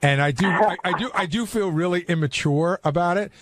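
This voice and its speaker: A man's voice: high-pitched, a little fast, fairly bright tone, no echo. A man chatting casually as a radio panelist, candid and emphatic, often repeating himself, on a close studio microphone.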